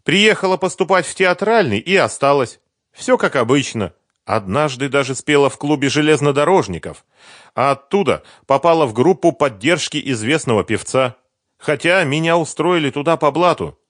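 A man's voice: fairly high pitch, lively intonation, moderate pace, a bit bright, no echo, clean studio sound, voice pushed up. A man reading the part of a twenty-three-year-old woman singer, who sighs and talks persuasively about men and money. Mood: chatty. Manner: sighing, persuasive, lightly complaining. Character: young woman pop singer, 23, coy and calculating.

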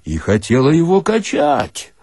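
Male story reader, theatrical and deliberate, husky edge, dry close recording, big expressive swings. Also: a little high, no echo. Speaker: actor reading short stories. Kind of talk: dramatic, expressive literary narration.

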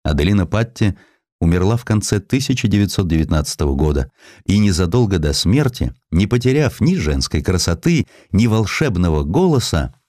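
A man narrates a historical tale in an expressive, theatrical storytelling manner. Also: low-pitched, brisk, dry recording, studio quality. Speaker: audiobook narrator. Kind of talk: dramatic scripted narration of historical sketches.

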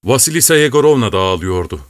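A man reading a classic novel aloud as an audiobook narrator in a measured, even storytelling manner. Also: medium pitch, no room sound, clean studio sound. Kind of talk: scripted narration.

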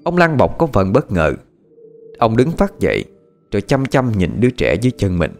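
A man narrating a dramatic story in an expressive, measured voice. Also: lowish voice. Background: faint background music.

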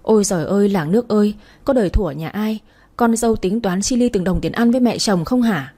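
Woman narrator doing a sharp-tongued old mother-in-law, storybook read, mellow husky tone, wailing complaints. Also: mid-range voice, brisk, lightly acted. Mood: shrill accusing. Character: scolding, dramatic elderly mother-in-law.

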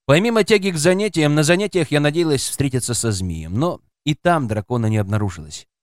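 A man's voice: fairly high pitch, animated, brisk, no echo, studio quality. A man reading an audiobook aloud as scripted first-person narration, expressively voicing a woman narrator's inner thoughts.

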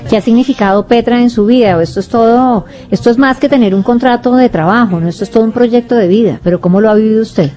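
Colombian woman radio host, mellow mid voice, probing formal questions. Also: on the high side, quick pace, hardly any pauses, faint music behind. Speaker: radio interviewer.

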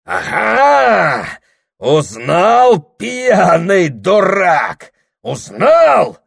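A man voicing a huge, drunken, furious deacon who bellows long, drawn-out threats. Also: lowish voice, animated, a bit bright. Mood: bellowing.

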